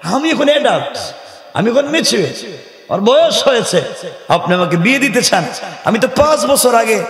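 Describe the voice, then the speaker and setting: A man's voice: very high-pitched, very animated, normal speed, a crowd in the background, voice pushed up, exaggerated voice. A preacher voicing a defiant, mocking young woman answering her father. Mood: sassy. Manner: sassy, mocking. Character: brash modern young woman, defiant daughter. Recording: echoey hall, long reverb, PA.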